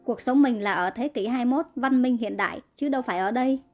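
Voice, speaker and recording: A woman's voice: a little high, fast, faint music behind, lightly acted. A woman reading the part of a kind young woman who pleads earnestly in a narrated story. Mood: pleading. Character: kind young woman healer, frightened captive.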